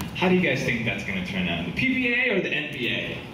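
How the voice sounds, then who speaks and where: Noticeable background noise and audible room echo surround this recording. A man speaks at a fairly quick pace. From Philippines, Pampanga; later US. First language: Kapampangan. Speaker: radio DJ and company co-founder. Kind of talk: speech to a live audience. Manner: casual, animated.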